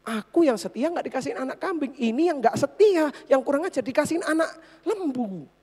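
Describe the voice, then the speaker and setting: A resentful elder son grumbles about being treated unfairly, as a woman preacher puts him on. His voice sits somewhat high, and a long hall echo trails every line. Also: expressive, a little fast, warm tone. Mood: bitter. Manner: aggrieved, complaining.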